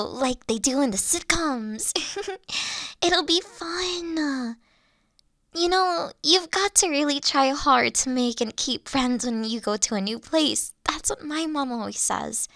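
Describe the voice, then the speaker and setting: A woman acts out an adorkable young female dragon in an audio roleplay. The voice is high and unhurried, recorded close and dry. She is nerdy, eager and anxious, rambling away and tripping over words when flustered. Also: fairly bright tone, no echo, full character voice. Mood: eager, friendly. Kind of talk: roleplay audio drama addressed to the listener.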